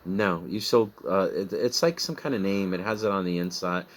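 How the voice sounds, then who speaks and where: A man's voice: low-pitched, normal speed. A man with a Midwestern American accent, chatting casually in a rambling way about items he resold. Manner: rambling, chatty, laughs at himself. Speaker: online reseller. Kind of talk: casual sales recap chat.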